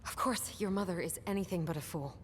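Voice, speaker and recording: Woman playing shrewd political aide, hushed, lowish voice, reverberant hall. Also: fairly quick, a little hiss or hum, close to an everyday voice. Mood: concerned.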